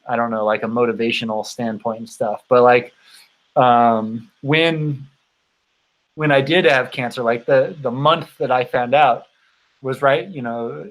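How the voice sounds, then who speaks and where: A man in his thirties chatting casually as host of a livestream, halting and rambling, his voice tired from long talking. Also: medium pitch, poor audio. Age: 30s. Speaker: host of a bicycle touring channel.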